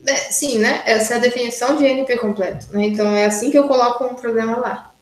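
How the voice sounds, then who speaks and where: This female lecturer talks fast in a steady, fairly high voice while walking online students through exercises step by step, often adding "né?" or "tá?" to check in. The recording is rough and roomy.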